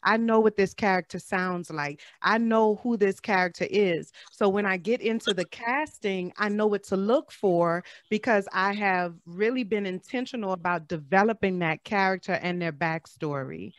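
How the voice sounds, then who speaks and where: A woman's voice: mid-range voice, moderate pace, few pauses, no echo. A woman moderating a panel on audio drama, talking earnestly and thinking aloud as she speaks. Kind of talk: panel discussion.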